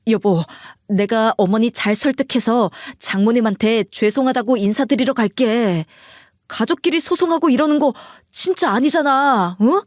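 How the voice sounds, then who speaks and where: A woman's voice: a little high, normal speed, no echo, studio quality, natural voice. A woman voicing a desperate husband who begs and whines for forgiveness. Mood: pleading. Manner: begging, whining. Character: desperate pleading husband, young adult man.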